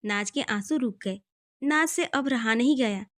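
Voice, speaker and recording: A woman narrating a romantic story in a steady, scripted storytelling manner. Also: on the high side, a little slow.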